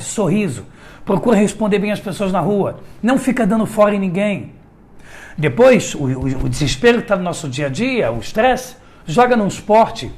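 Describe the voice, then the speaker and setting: High-voiced rabbi telling a story. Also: male voice. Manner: animated storytelling teacher, addresses the audience directly. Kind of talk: Torah lesson storytelling. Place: Israel.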